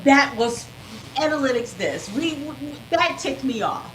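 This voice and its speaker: Woman co-host backing up her partner, animated and high pitched, punchy agreeing. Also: measured pace, poor audio. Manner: emphatic agreeing interjections. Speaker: podcast co-host. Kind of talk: casual sports chat.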